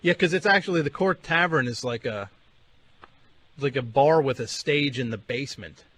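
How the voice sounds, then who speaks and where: A man's voice: medium pitch, normal speed, fairly bright tone, a little hiss or hum. A man hosting a radio show, interviewing a caller in a dry, needling way and patiently correcting him. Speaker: radio host. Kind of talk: deadpan on-air interview.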